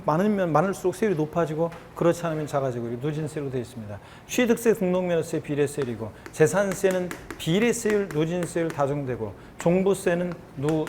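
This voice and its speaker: Middle-aged male instructor, slightly high voice, chatty lecture delivery, faint background hiss. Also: a little mellow. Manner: chatty, repetitive, addresses students directly. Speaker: exam prep instructor. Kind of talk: recorded online lecture. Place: lecture studio.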